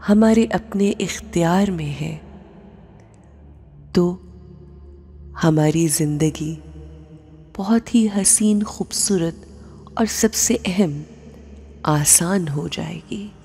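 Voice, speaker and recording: A woman with a low, mellow, breathy voice guides a meditation at a very slow, measured pace. She speaks in short phrases with long pauses, in a soft tone wrapped in long reverb. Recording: long reverb with music bed. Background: music.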